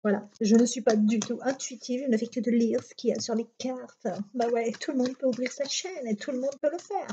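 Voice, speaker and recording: A woman's voice: a little high, a little fast, hardly any pauses, warm tone, a little hiss or hum. A woman with a Belgian French accent doing a casual card reading, chatty and rambling with many fillers, just recovering from illness. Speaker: tarot card reader. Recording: dull lo-fi home recording.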